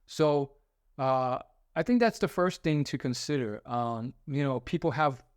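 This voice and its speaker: A man's voice: mid-range voice, a little slow, smooth, no room sound, clean studio sound. A young man hosting a self-help video, talking through his advice in a rambling, casual way with many fillers and restarts. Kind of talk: casual motivational monologue.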